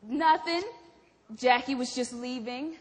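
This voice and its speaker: An actress playing a nervous, exasperated wife in a stage play, pleading and flustered. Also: female voice, sits high, slow. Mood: nervous placating. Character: Gloria, nervous, exasperated wife under her husband's thumb. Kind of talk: theatrical stage play acting. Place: stage in a theatre hall. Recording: echoey theatre hall.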